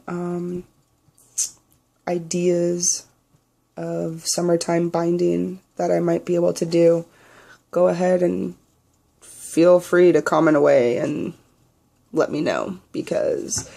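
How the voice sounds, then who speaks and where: In a personal video diary, a young trans man speaks bluntly and candidly, swearing freely. His voice is naturally high, though he tries to pitch it lower, and it carries a dark tone with vocal fry.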